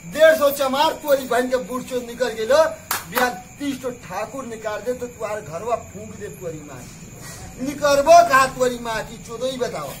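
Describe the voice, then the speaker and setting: A man's voice: extremely high pitch, lively intonation, moderate pace, a little hiss or hum. A man with a Bhojpuri accent from eastern Uttar Pradesh, arguing aggressively and abusively in a recorded phone call, repeating himself. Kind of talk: heated argument in a phone call.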